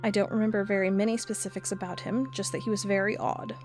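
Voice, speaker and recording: A woman's voice: medium pitch, flat delivery, fast, darkish tone, soft background music, natural voice. A woman playing an investigator narrating a strange case in a scripted audio drama. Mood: measured, formal. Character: female investigator narrating a strange case, reading aloud reports.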